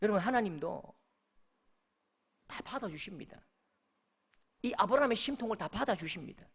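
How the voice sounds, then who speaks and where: A man's voice: high voice, normal speed, vocal fry, husky. Korean pastor guy w/ gyeongsang accent, sermon, voice bouncing all over, really into the story. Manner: animated, emotive storytelling preacher.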